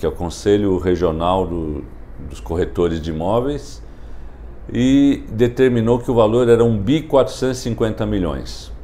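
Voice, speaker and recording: A man talks in a fairly low voice. His pitch swings very widely. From Brazil, São Paulo. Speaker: city councilman. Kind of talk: political commentary, rally-style speech. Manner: firm, combative. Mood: critical, explanatory. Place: office. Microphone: lapel.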